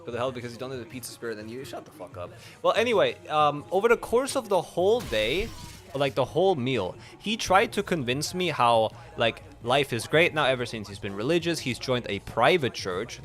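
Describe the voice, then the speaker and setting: A man's voice: mid-range voice, fairly bright tone. A young man streaming a game, telling a story in a casual, rambling way with lots of swearing and "like" fillers. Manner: rambling, profane, heavy use of "like". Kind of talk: casual storytelling while playing.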